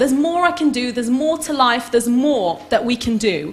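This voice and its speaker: A woman's voice at a fairly quick pace with very wide pitch swings, audible room echo and noticeable background noise. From Iran and Sweden, then England from 13. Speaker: social entrepreneur. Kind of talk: conference talk.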